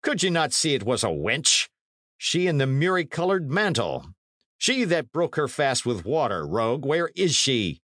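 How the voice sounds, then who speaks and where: A man's voice: mid-range voice, huge pitch swings, unhurried, a bit bright, no echo, clean studio sound, voice pushed up, heavily acted. A man reading a storybook as a blustering, imperious medieval knight who barks orders in archaic speech. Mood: angry, demanding.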